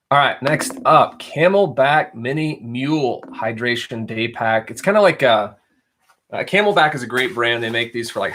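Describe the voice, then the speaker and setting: A man with a fairly low voice, talking casually to his live stream viewers. He rambles easily from topic to topic and reads out their questions as he goes. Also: fairly bright tone. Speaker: reseller livestream host.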